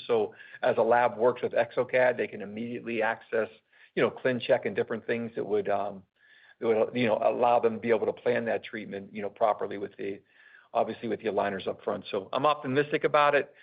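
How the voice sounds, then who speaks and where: A man's voice: fairly low pitch, vocal fry. A man speaking as a company executive, answering an analyst's question off the cuff. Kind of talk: unscripted earnings call answers. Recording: tinny narrow phone-line sound.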